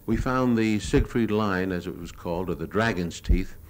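A low-pitched American man talks through his old home movies in a matter-of-fact, unscripted way. He reminisces hesitantly, like a cameraman explaining his shots. The old live recording has light background noise. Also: normal speed. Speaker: newsreel cameraman.

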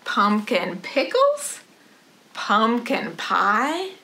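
A middle-aged woman leading a storytime for young children in an animated, rhythmic sing-song delivery, recorded in a living room. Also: medium pitch, very slow, vocal fry, a little hiss or hum. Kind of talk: children's storytime read-aloud.

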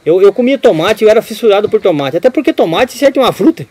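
An older man with a Brazilian accent, chatting as a guest and telling stories with halting restarts and repeats. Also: sits high, lively intonation, darkish tone, dry recording. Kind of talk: casual chat.

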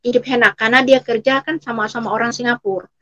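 Speaking quickly with a sharp yet steady tone, this middle-aged woman from Riau in Indonesia tells her story as a testimony guest. Her voice is a little high, and phrases come back again and again.

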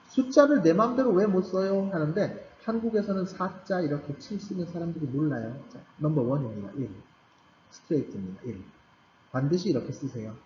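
A man's voice: on the high side, warm tone. A man teaching a Korean language class to beginners, patiently repeating key points with emphasis. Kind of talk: recorded grammar lecture for beginners. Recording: roomy, slightly dull recording with faint background hum.

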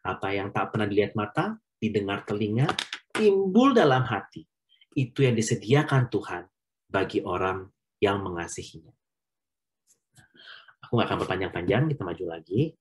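A man's voice: fairly low pitch, sing-song, moderate pace, long pauses, poor audio. A man preaching conversationally at an online prayer meeting, slipping English phrases into his talk. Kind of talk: casual sermon.

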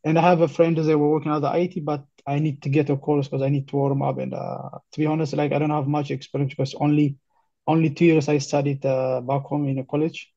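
A young man with an Ethiopian accent talking casually and haltingly about himself, often repeating his words. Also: on the high side, level tone, warm tone. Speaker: career guidance client, refugee newcomer. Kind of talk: casual conversation, introducing himself. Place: remote online call. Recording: muffled lo-fi online call.

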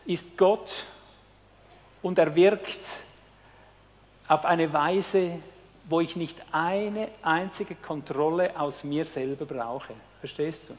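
A man preaching a sermon with intensity, talking straight to his listeners and swinging from hushed words to loud cries. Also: high voice. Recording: long hall reverb.

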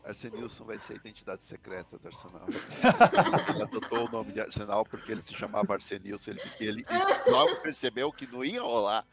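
A man's voice: on the low side, wildly swooping pitch, brisk, creaky, fairly bright tone. A man who writes comics, joking dryly in a casual panel chat.

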